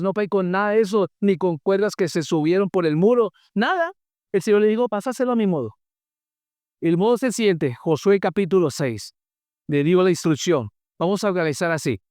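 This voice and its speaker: A preacher giving a sermon, retelling Bible stories in an animated way with joking asides and questions to the congregation. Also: mid-range voice, clean tone, dry recording, studio quality.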